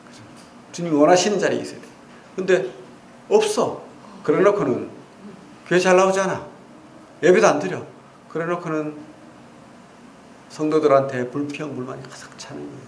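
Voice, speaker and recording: A middle-aged male pastor delivers a sermon with a slightly high voice, swinging between loud bursts and quiet asides. His voice rings through an echoey church hall over a faint hum of room noise. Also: brisk, pauses often. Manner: animated preaching with sudden loud outbursts and dropped asides. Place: church sanctuary.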